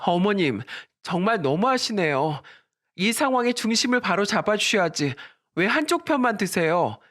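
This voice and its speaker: A man's voice: high-pitched, very animated, normal speed, fairly bright tone. A man voicing an outspoken sister-in-law who firmly reproaches her mother-in-law in a storybook drama. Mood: reproachful.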